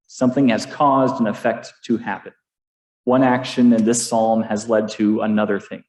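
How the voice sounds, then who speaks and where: A male preacher giving a sermon with a mellow, darker tone. He jokes with the congregation and keeps things light. His voice carries through a roomy church sanctuary. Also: mid-range voice. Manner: playful, interactive, self-deprecating humor with the congregation.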